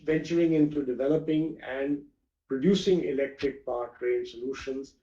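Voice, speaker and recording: A man reading a formal prepared address to a shareholder meeting as company chairperson, in a measured manner. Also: mid-range voice, mellow. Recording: dull, roomy video-conference audio.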